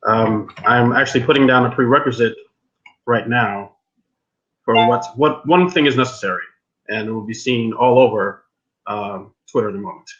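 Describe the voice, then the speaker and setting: Guy moderating a video chat, casual, regular pitch, muffled lofi audio. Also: moderate pace, a bit bright. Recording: dull lo-fi web video call.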